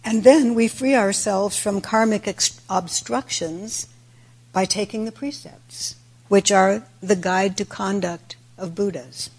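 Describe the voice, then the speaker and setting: A woman with a raspy voice, a little worn today, giving a reflective Buddhist dharma talk in measured, deliberate phrases. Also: mid-range voice, a little mellow. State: raspy voice today with throat clearing. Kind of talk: sermon, reflective religious talk.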